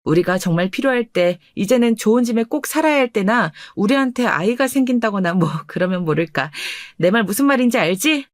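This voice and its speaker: A woman's voice: fairly high pitch, a little fast, dry recording, clean studio sound, close to an everyday voice. Woman playing a self-assured rich wife. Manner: calm, confident and teasing. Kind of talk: dramatized radio story dialogue.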